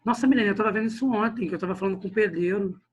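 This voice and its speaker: A man's voice: high-pitched, rapid-fire, breathy edge. Man teaching a literature class. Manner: tags sentences with "né?" and "olha só", addresses the class directly. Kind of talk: online class lecture.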